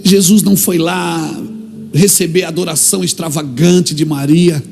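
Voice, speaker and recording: A man preaching a fervent sermon, acting out little dialogues and building up to shouts. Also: a little high, fairly even intonation, normal speed, vocal fry, slight background noise.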